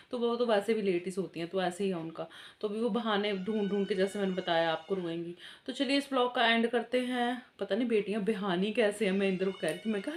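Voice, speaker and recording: A woman, a mother vlogging in a chatty, casual way and mixing in English words. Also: a little high. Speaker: vlogger, mother of several daughters. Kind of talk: casual chatty vlog talk.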